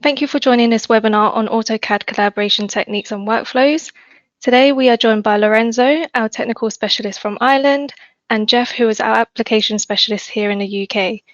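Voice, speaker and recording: A woman's voice: a little high, fairly quick, no room sound, muffled recording. A woman hosting a webinar, introducing the speakers in a polite, organized way. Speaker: webinar host.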